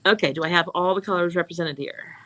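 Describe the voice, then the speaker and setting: A woman's voice: fairly low pitch, fast talker, bright, forceful tone. A woman co-hosting a live craft stream, chatting casually and playfully while she strings beads. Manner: chatty, playful, puts on voices in quotes. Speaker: co-host of a live bead shop stream.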